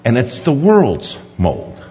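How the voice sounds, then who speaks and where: A man preaching a sermon in a large conference hall, emphatic, dropping to hushed low lines and rising to sudden high stresses, in a dull recording with long hall reverb. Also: huge pitch swings, slow pace.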